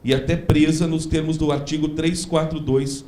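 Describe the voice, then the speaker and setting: A man's voice: fairly high pitch, little pitch movement, normal speed, warm tone. Formal man chairing a council hearing. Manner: formal, courteous, clarifying questions.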